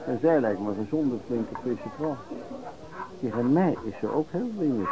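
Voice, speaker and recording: An actor playing a wary, self-reliant travelling peddler in a radio play, with a Netherlands Dutch accent. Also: male voice, mid-range voice, animated, normal speed, a crowd in the background, close to an everyday voice. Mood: reserved, curious. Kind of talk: radio drama, first-person narration and dialogue. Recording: dull lo-fi old radio recording.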